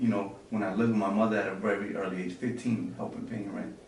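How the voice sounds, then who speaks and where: Amid noticeable background noise and audible room echo, a man speaks at a medium pitch and moderate pace. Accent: American. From Cape Verdean community, Boston area. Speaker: community organizer. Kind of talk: casual interview.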